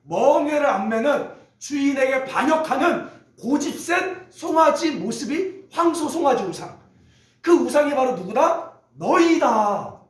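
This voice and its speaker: A male pastor preaching a sermon in a church, leading call-and-response with the congregation and teaching in a lively, teasing way. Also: very high voice. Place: church sanctuary. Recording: echoey church hall.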